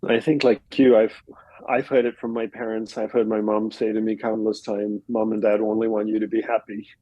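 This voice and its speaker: Male guest from Australia, low-pitched and breathy, reflective and explanatory; dry close recording. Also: flat delivery, normal speed, mellow, dry recording, highs cut off. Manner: reflective, explains in plain step-by-step examples. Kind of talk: relaxed conversational interview answers. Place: home in Costa Rica.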